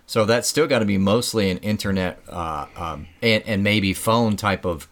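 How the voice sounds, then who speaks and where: Low-voiced man musing in casual chat. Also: normal speed, fairly bright tone. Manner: musing, restarts words, chuckles often. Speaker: podcast guest; former radio host.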